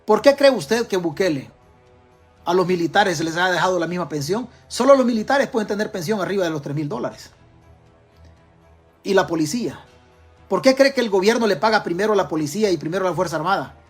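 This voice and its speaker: A man's voice: high-pitched, animated, brisk, slightly rough, faint music behind. A man with a Salvadoran accent giving political commentary to camera, emphatic and firing rhetorical questions straight at his audience. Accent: Salvadoran Spanish.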